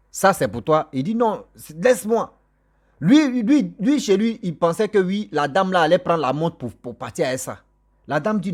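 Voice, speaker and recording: Man, non-native french speaker, husky voice, animated storytelling, talks straight to viewers. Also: fairly high pitch. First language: not French. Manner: animated, repetitive, warm direct address to viewers. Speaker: storyteller vlogger. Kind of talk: casual spoken storytelling.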